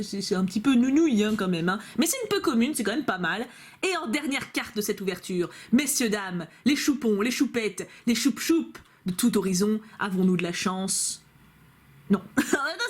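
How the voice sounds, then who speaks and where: A woman in her twenties chatting casually to viewers as she opens trading cards, bubbly and playful. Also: a little high. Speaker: YouTuber opening trading cards.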